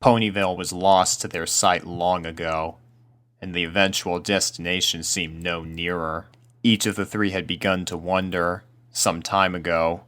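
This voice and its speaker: A man's voice: low voice, sharp tone. A man reading a spooky story aloud as a scripted narrator.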